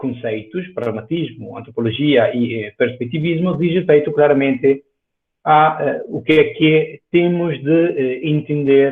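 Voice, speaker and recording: A fairly high-pitched man with a European Portuguese accent, ordinary pitch variation and a fairly slow pace. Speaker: philosophy professor. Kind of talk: lecture. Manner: halting, many hesitations.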